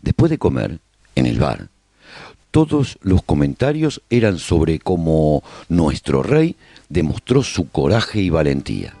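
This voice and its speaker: A man's voice: extremely low pitch, big pitch swings, unhurried, vocal fry, mellow, heavily acted. A man playing a survivor who hosts a radio broadcast, narrating a post-apocalyptic chronicle as a scripted radio serial. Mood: solemn, proud.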